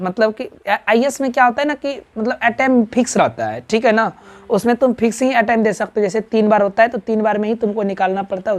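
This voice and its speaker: A man with a Bihari Hindi accent and a fairly high voice, teaching a grammar lesson in a classroom. He works in call-and-response, drilling students with questions and checking after every point that they have followed. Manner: quizzes students in call-and-response, keeps asking "right?".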